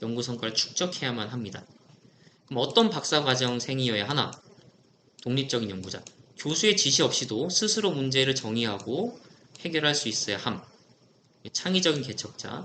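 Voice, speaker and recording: Amid noticeable background noise and audible room echo, a man with a medium pitch uses lively intonation and takes long, frequent pauses. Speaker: academic educator / YouTube lecturer. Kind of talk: lecture with slides. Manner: fast; frequent filler hesitations.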